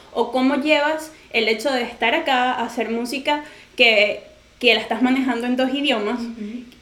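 Delivered at a fairly slow pace with fairly even intonation, the voice carries audible room echo. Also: woman. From Venezuela. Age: 20s. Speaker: podcast host. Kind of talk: casual chat.

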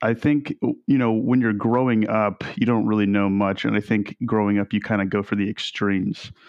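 A man with an unremarkable speaking voice talks at a moderate pace and a fairly low pitch, his intonation fairly even, his loudness very even, with hardly any pauses. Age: 20s. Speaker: illustrator. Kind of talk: casual chat.

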